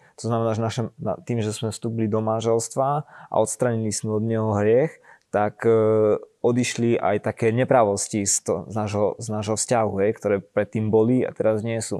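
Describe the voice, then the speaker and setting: A man's medium-pitched voice has a dark, mellow tone and monotone, flat intonation at a moderate pace. The recording is very clean with a silent background, and the sound is dry and close with no echo. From Slovakia, Bratislava. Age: 30s. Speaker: civil servant. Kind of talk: testimony. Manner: halting.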